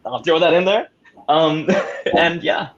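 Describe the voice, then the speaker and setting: A man's voice: fairly high pitch, lively intonation, takes it slowly. A man speaking informally and somewhat hesitantly as a panelist, recorded over a dull online call. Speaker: panelist, audio drama producer. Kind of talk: casual panel discussion.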